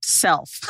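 Woman guest on a podcast, blunt and slangy, swears a ton, bright voice, dry close mic. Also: extremely high pitch, no echo. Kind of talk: casual chat.

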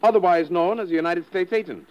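A man's voice: sits high, fast talker, lo-fi sound, close to an everyday voice. A man acting as a suave, smug crime boss in a 1950s radio drama, mock-polite and gloating.

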